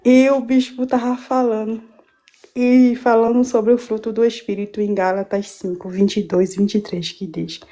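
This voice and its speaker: Woman, mellow warm voice, fervent rambling testimony, restarts a lot, live stream from home. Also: a little high, flat delivery, moderate pace. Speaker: guest giving a church testimony.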